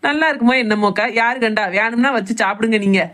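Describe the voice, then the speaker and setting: A woman's voice: fairly high pitch, fast talker, fairly bright tone, close to an everyday voice. A woman voicing a playful, teasing young village woman with a Tirunelveli Tamil accent who is fond of food.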